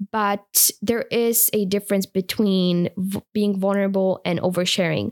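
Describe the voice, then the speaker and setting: A woman speaks fairly slowly in a very clean recording with a silent background and a dry, close sound with no echo. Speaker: podcast host. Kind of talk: casual chat. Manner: talkative.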